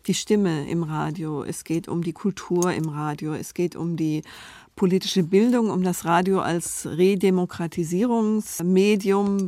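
A woman's voice: on the low side, darkish tone, dry recording. A woman interview guest explaining her book project conversationally, with informal, enthusiastic wording.

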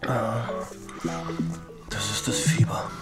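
An actor playing a feverish, weary father in a radio drama, speaking tersely in a low-key murmur. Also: steady tone, slow, loud music behind the voice, close to an everyday voice. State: sick with fever, weak. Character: feverish, weary father in a snowbound log cabin. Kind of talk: naturalistic radio drama acting.

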